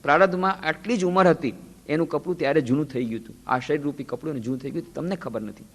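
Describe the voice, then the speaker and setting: A man's voice, a little high for a man, delivers a spiritual discourse in an ashram hall where every phrase trails off in a long reverb. He preaches in a storytelling way and acts out the voices of the people he quotes. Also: fairly bright tone. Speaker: monk giving a lecture series.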